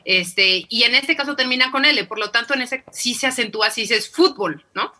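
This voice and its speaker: Bright, husky Mexican woman explaining spelling. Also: a little high, fairly quick. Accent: Mexican Spanish. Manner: explanatory, tag questions, laughs often. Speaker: podcast guest, spelling expert. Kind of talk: casual chat.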